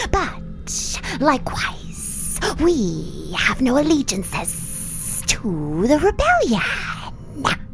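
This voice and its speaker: A female-sounding voice in a put-on character voice speaks at a very slow pace over loud background noise. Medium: audio drama. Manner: cold, formal, menacing, speaks as "we".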